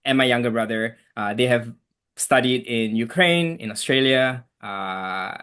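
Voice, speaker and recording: A young Malaysian immigration attorney, guesting on an interview podcast, speaks in a mid-range voice that is clear, resonant and a bit bright, if a little slow. His Malaysian-accented talk is easygoing and chatty, packed with fillers, in a casual interview.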